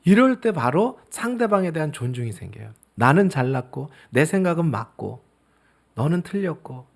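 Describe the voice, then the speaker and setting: A middle-aged male pastor preaching a sermon, swinging between loud emphasis and soft, near-whispered asides. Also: fairly high pitch, very animated, normal speed, vocal fry.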